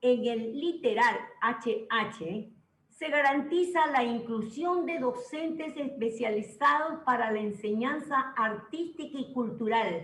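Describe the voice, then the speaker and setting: A woman speaks at a very slow pace with a high pitch and lively intonation. Audible room echo surrounds her voice. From Ecuador. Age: 70s. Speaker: legislator, former teacher. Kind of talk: parliamentary speech. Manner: formal.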